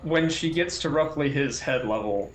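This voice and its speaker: Male tabletop player, medium pitch, casual talk, echoey, faint noise. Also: moderate pace. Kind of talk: casual role-playing game talk.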